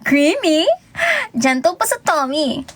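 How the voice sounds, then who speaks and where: A young Filipino woman chatting casually with viewers on a livestream, giggling and greeting people by name. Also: high-pitched. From Philippines. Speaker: idol livestreamer. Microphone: phone.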